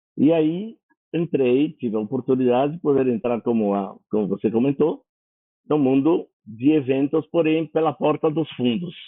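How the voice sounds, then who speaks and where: A man in a Spanish accent, with ordinary pitch variation. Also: fairly high pitch for a man, moderate pace. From Egypt. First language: Spanish (speaking Portuguese). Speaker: events industry executive. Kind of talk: interview. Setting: recorded broadcast program. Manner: hesitant, with many fillers.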